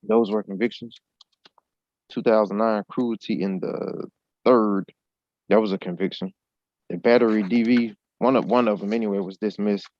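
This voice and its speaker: A man reads through court records in a flat, list-like recitation. His voice sits fairly low. It comes over a video call, and the audio sounds dull and lo-fi. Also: moderate pace, slight background noise. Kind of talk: reading out records.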